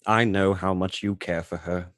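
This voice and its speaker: A man playing a worried, polite young gentleman in a live radio play, formal and delicate in manner. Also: sits low, fairly even intonation, normal speed, dry recording. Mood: worried appeal.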